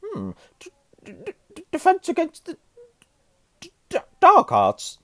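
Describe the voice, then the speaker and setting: Casting: nervous young male professor, high-pitched, severe stutter, storybook character. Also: huge pitch swings, takes it slowly, pushed and bright, no echo, exaggerated voice. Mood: terrified, faltering. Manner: heavy nervous stammer.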